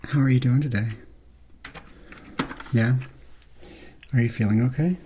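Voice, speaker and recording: A soft-spoken man doing an ASMR roleplay in an unhurried, reassuring manner. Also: medium pitch, background noise. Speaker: ASMR performer playing a substitute surgeon.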